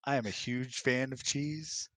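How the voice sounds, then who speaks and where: A man talking casually in a question-and-answer chat, explaining things in a thoughtful, halting, emphatic way. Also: mid-range voice, fairly even intonation, a bit bright, dry recording. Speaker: husband co-hosting a live Q&A. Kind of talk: casual conversational advice chat. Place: close-miked online voice chat, dry.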